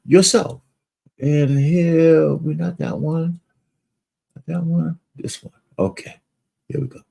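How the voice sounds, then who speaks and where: Hosting his own talk show, a man delivers a casual monologue bluntly and in a loose, rambling way, with some swearing. His voice is fairly high and warm, with vocal fry.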